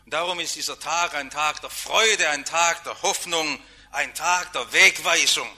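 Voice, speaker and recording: A man delivers an emphatic sermon, dropping to near-quiet then rising with force. His voice sits a little high, with a very bright, sharp edge. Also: measured pace. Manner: emphatic, dramatic swings in loudness. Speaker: preacher.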